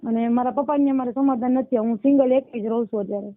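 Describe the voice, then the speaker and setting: A woman's voice: a little high, steady tone, quick pace. A woman of twenty-nine with a Saurashtra Gujarati accent, calling by phone to explain her situation and ask for help. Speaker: caller seeking help. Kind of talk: pleading personal account on a phone call. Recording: dull lo-fi phone call recording.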